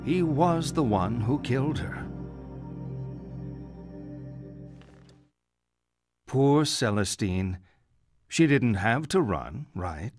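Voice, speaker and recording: An actor playing a composed middle-aged male psychiatrist in a video game, telling things in a deliberate, theatrical way. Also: medium pitch, animated, over music. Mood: pointed, measured. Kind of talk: dramatic video game monologue.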